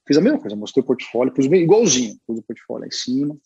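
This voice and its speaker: A man with a Brazilian Portuguese accent, a guest illustrator telling a story in a chatty, animated way with lots of fillers. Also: medium pitch, very fast, vocal fry, breathy edge, lo-fi sound. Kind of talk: casual storytelling.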